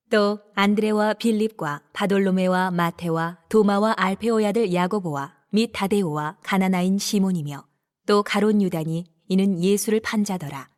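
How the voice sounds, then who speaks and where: A woman narrating scripture in a steady, even scripted reading. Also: mid-range voice.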